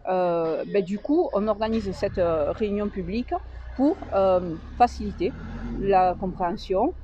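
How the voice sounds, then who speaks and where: Hesitant woman with a mellow voice. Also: mid-range voice, muffled recording. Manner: hesitant, many filler pauses. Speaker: local association organizer. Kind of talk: radio interview.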